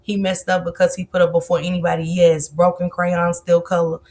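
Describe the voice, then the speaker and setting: A woman's voice: lowish voice, flat delivery, a little fast, darkish tone. A woman, hosting a livestream and speaking candidly to viewers in casual, confessional chat. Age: 40s. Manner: candid, confessional, talks straight to viewers and calls them baby. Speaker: livestream host. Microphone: livestream mic.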